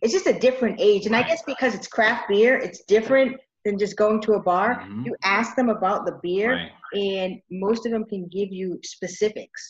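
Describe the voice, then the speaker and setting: Speaking with an American accent, a woman with a fairly high, somewhat breathy voice keeps a moderate pace, uses ordinary pitch variation and hardly pauses. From US Northeast, Massachusetts area. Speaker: podcast host. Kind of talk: interview. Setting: video call.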